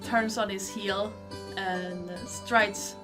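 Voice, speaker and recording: A woman's voice: medium pitch, steady tone, takes it slowly, over music. A woman narrating as game master in a tabletop game, speaking hesitantly with many fillers.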